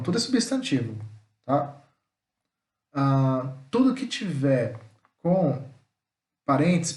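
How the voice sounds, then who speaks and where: A male teacher runs an online language lesson, explaining patiently, checking in after each point, and sometimes sounding out words slowly. His mid-range voice has a darkish tone and a reverberant sound.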